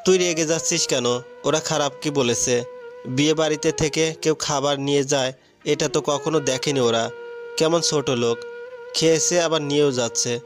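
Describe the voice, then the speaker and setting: Guy reading cocky young dude, sneery, sharp, music in the back. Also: on the high side, steady tone, moderate pace, close to an everyday voice. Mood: scornful. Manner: scornful, sharp-tongued. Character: arrogant young man Arnab, back from abroad. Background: background music.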